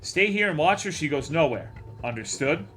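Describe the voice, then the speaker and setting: A scheming aristocratic villain, read by a man in a visual-novel style game. He issues haughty, impatient orders in a slightly high voice. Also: lively intonation, normal speed, fairly bright tone, soft background music. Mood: imperious.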